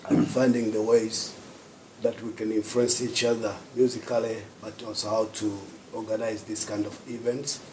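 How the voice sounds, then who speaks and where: A man from Tanzania, speaking unhurriedly as a panelist at a symposium and pausing often to find his words. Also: lowish voice, flat delivery, warm tone. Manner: unhurried, searching for words with many pauses. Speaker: panelist, festival director. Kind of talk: panel discussion talk. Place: symposium hall. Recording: roomy hall with background noise.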